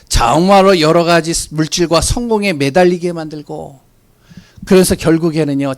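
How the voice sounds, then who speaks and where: Male pastor, sermon delivery; high, very expressive pitch, rhetorical questions, sudden hushed drops.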